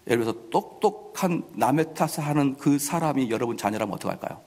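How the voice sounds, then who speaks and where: A man preaching a sermon as pastor, animated, acting out family quarrels. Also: medium pitch, quick pace. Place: church sanctuary. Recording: long church hall reverb.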